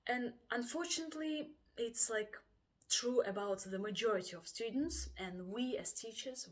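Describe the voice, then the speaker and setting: Russian-accented woman, IELTS tutor type, chatty and animated, mid-pitched. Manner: chatty, acts out students' voices, frequent laughs. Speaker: IELTS teacher. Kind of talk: casual video lesson.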